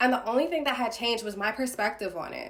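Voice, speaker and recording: There is noticeable background noise behind a woman whose fairly high pitch varies in an ordinary way. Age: 20s. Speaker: beauty and lifestyle vlogger. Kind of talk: casual talk to camera. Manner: warm, encouraging.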